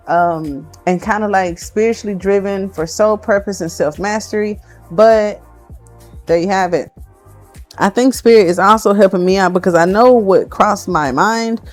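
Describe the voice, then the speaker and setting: A woman doing a casual tarot card reading for her viewers, chatty and excitable as she thinks aloud. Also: medium pitch.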